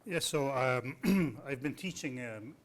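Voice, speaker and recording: A middle-aged man from Belgium, a native Dutch speaker, talks as a law professor on a discussion panel. He speaks in a measured, hesitant way, pausing on fillers. His pitch sits in a middle range. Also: lively intonation.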